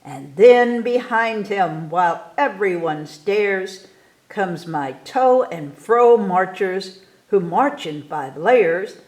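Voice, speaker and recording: A woman reading a rhyming picture book aloud to children in an expressive, theatrical way, stretching key words for emphasis. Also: mid-range voice, takes it slowly, poor audio. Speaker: story time reader.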